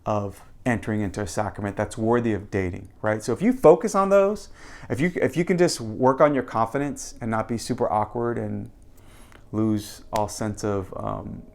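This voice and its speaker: A man's voice: fairly low pitch, normal speed, creaky. A man giving casual advice in a monologue, speaking in an earnest, confident, conversational way like a coach. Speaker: podcast co-host giving advice.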